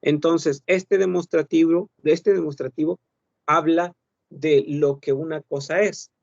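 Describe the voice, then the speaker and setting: A man with a slightly higher, gravelly voice teaches a French class, explaining step by step and correcting himself as he goes. He asks his students rhetorical questions. The sound is dry and a little dull, like a basic computer microphone. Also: steady tone, measured pace, a little mellow, no room sound. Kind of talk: online language class.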